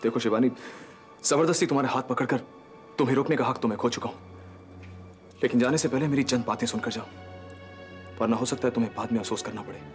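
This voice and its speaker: A man's voice: medium pitch, quick pace, long pauses, faint music behind, close to an everyday voice. An actor playing an earnest young man who begs a woman not to leave, in a TV serial drama. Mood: earnest, pleading. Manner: urgent, imploring. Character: pleading young man, Rishabh.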